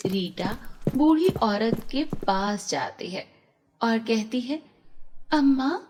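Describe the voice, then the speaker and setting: Female storyteller for kids' cartoons: high, lively pitch, slow delivery. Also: background noise. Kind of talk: scripted children's story narration.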